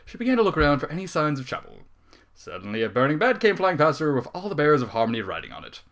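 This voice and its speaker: A man's voice: on the high side, big pitch swings, fast talker, a bit bright. A man reading a comic fan story aloud as a dramatic narrator. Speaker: story reader.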